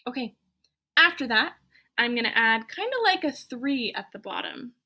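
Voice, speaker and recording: Bright, higher-voiced woman teaching. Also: expressive, normal speed. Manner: encouraging, simple instructions, thinking aloud while drawing. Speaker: elementary school teacher. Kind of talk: step-by-step guided drawing lesson for children.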